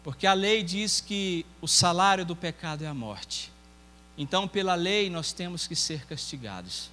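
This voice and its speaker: A man's voice: sits high, animated, moderate pace, bright, forceful tone, in a large hall. A male evangelist with a Brazilian Portuguese accent, preaching a sermon in a church and telling a story with acted dialogue. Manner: storytelling, voicing dialogue within the tale. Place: church sanctuary.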